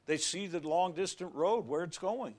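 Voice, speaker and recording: A middle-aged male pastor preaching a sermon in a folksy, animated way, shouting on key words and telling everyday stories. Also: sits high, normal speed.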